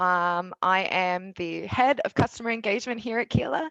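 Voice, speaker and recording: A woman speaks at a moderate pace in an Australian accent, with a dry, close sound and no echo. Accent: thick Australian. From Australia, rural Victoria. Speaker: customer engagement lead presenting a webinar. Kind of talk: webinar tutorial. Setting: online webinar.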